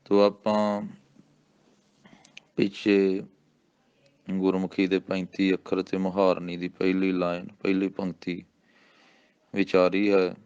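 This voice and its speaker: A man from Punjab with a Punjabi accent, teaching correct recitation of scripture and drawing out each recited word slowly and calmly. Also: low-pitched, smooth, dry recording, lo-fi sound. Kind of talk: slow recitation with pronunciation instruction.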